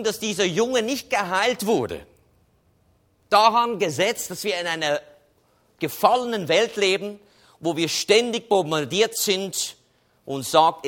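High-voiced preacher. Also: male voice, fairly bright tone. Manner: conversational preaching, tags with "oder?". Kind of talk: sermon.

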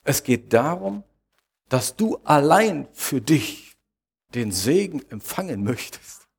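Gravelly, husky German pastor preaching. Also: male voice, a little high, big pitch swings. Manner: measured preaching with rhetorical questions and repetition. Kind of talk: sermon.

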